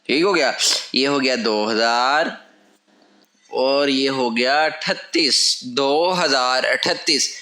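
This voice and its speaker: A man's voice: medium pitch, slow, bright, forceful tone. A man teaching a lesson at a whiteboard. He explains patiently, step by step, and repeats his key phrases. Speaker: language teacher. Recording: echoey room.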